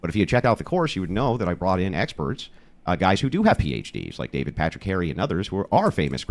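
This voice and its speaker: A man's voice: deep voice, huge pitch swings, fast talker. A man arguing in an online debate, assertive and challenging, with emphatic explanations. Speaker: debater, online course seller.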